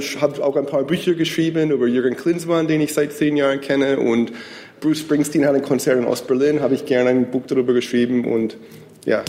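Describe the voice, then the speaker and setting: A man's voice: medium pitch, darkish tone. A man from the United States whose first language is English, a freelance journalist introducing himself cheerfully and fluently on a panel. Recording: reverberant hall.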